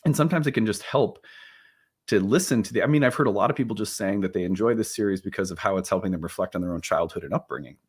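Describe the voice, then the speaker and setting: A man in his thirties, a little hoarse from a cold, hosting a relaxed, rambling talk about astrology. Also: on the low side, fast. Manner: relaxed, rambling, with many fillers and restarts. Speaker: astrology teacher and channel host. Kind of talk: casual solo talk to camera.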